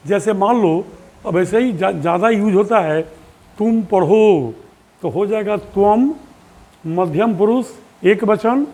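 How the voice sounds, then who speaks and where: Male teacher, high voice, unhurried, drills forms aloud and quizzes pupils. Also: a little mellow. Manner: patient, repeats drill forms aloud slowly; asks questions of pupils. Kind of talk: online classroom lesson.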